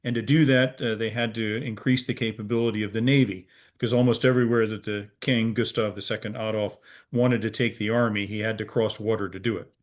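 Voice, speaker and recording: A middle-aged American man from Virginia, a museum's head of research, explaining history as an interview guest over a video call, measured and pausing often with "uh". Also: lowish voice, fairly even intonation. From Virginia, USA. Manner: measured, with frequent "uh" pauses.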